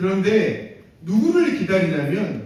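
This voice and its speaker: The voice swings very widely in pitch. Audible room echo and noticeable background noise are present. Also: man. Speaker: pastor. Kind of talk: church training lecture.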